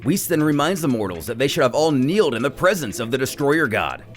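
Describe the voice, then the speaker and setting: A man's voice: medium pitch, sing-song, brisk. A man narrating a dramatic story recap in a theatrical, suspenseful manner, with music playing behind him. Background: background music.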